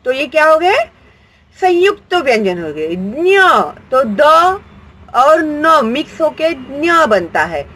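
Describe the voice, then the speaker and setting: A woman's voice: high-pitched, sing-song, takes it slowly, fairly bright tone, slight background noise, rough recording. A woman teaching a grammar lesson, patient and explanatory, asking questions and answering them herself.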